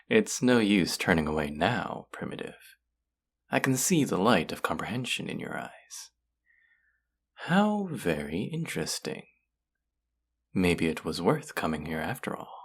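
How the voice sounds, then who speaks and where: A man playing a haughty, cruel yet curious alien buyer in an audio roleplay, talking down to the listener in a deliberate, condescending murmur. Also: sits low, vocal fry, slightly rough, exaggerated voice. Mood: amused, intrigued.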